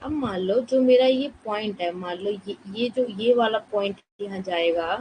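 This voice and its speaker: A woman teaching a live online class, explaining slowly and softly with many rhetorical questions while she is fasting and low on energy. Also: muffled recording, a little hiss or hum.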